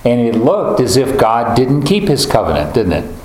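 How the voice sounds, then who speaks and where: A man leading a group Bible study, talking in a halting, thoughtful way with many fillers and restarts. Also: medium pitch, big pitch swings, a little mellow, a little hiss or hum. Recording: roomy echo, faint ambience.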